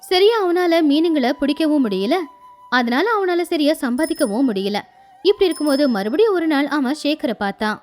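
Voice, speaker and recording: Lively high-voiced woman narrating a story. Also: normal speed, faint music behind.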